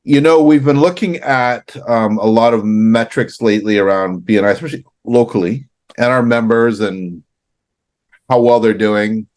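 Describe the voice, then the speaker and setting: A man's voice: medium pitch, normal speed, darkish tone. A man from Canada co-hosting a casual business chat, talking loosely with fillers and restarts. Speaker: co-host.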